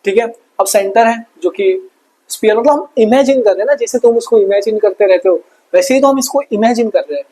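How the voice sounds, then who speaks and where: Young guy teaching online, high husky voice, keeps quizzing you on the terms. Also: fairly quick, dark tone, low-quality recording. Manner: repeats terms as quiz questions, joking asides. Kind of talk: online lesson.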